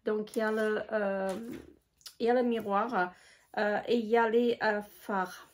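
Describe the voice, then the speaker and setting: A woman chatting casually in a show-and-tell vlog, hesitant with many filler pauses. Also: mid-range voice, fairly even intonation. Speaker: beauty vlogger.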